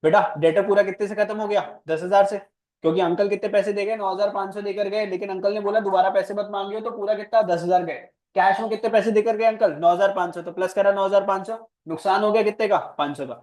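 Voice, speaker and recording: Brief: male commerce teacher, slightly high voice, playful, quizzes students. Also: steady tone, quick pace, darkish tone. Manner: playful, teasing, questions students. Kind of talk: classroom lecture. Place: classroom.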